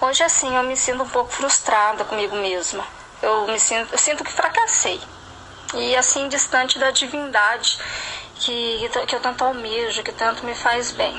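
A woman speaks at a moderate pace with a high pitch and ordinary pitch variation. Noticeable background noise runs behind her. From Paraná, southern Brazil. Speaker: listener sending voice message. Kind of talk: recorded voice question.

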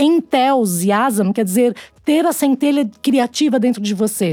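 Speaking with a normal speaking voice, a woman uses lively intonation at a fairly high pitch. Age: 60s. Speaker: screenwriter and writer. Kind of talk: casual chat.

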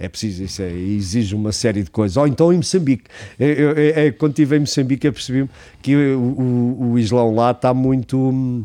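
Against a quiet background, a man talks at a fairly quick pace in a medium pitch. His tone is dark and mellow, with ordinary pitch variation. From Portugal, Oeste region (Caldas da Rainha). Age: 50s. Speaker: motorcycle traveller. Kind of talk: casual interview chat. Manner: halting, many repetitions.

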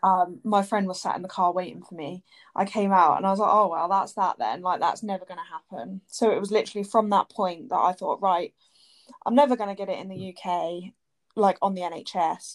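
A woman with a southern English accent talks fairly quickly at a medium pitch, with ordinary pitch variation and big swings in loudness, in a dry, close sound with no echo. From southern England, Southampton. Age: 20s. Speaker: podcast co-host. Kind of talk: casual chat.

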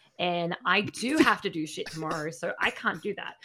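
A woman's voice carries a bright, sharp tone and lively intonation. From Australia. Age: 30s. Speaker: whiskey bar industry guest. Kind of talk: casual chat. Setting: video call. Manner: animated.

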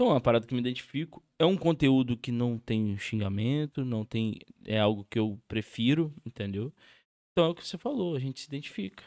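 At a fairly quick pace, a man talks in a normal speaking voice. He is at medium pitch with ordinary pitch variation. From Itaperuna, Rio de Janeiro state, Brazil. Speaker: podcast host. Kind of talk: casual chat.

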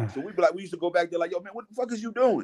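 Heard dry and close with no echo, a man is talking. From Long Branch, New Jersey. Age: young. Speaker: youth sports coach. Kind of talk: casual interview.

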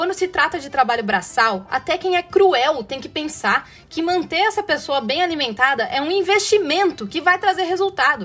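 The speaker barely pauses at all. Pitch swings very widely at a moderate pace. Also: woman, extremely high pitch for a woman. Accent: caipira. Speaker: food history podcaster. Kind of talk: solo podcast narration. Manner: informal and chatty.

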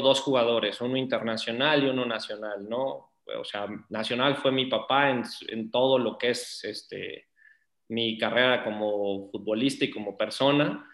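Talking at a medium pitch, a man has an unremarkable speaking voice with fairly even intonation. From Mexico, San Luis Potosí. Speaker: retired professional footballer. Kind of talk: casual interview.

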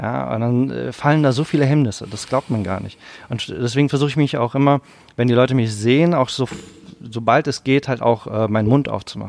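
At a fairly quick pace, a man speaks in a normal speaking voice at medium pitch with ordinary pitch variation. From Germany, Syrian-Aramaic family. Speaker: podcast guest. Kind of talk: casual chat.

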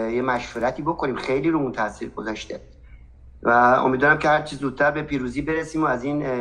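A man's plain, everyday voice, fairly high in pitch, with fairly even intonation and a fairly quick pace. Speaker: businessman. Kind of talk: casual chat.

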